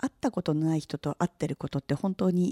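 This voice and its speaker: Ordinary pitch variation in a woman's dark, mellow tone. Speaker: company president. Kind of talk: casual chat.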